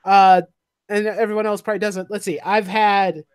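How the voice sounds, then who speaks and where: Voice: mid-range voice, level tone, moderate pace, clear, resonant tone, no echo. A streamer hosting a casual chat, telling anecdotes and laughing often. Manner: chatty storytelling, laughs often. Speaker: streamer host.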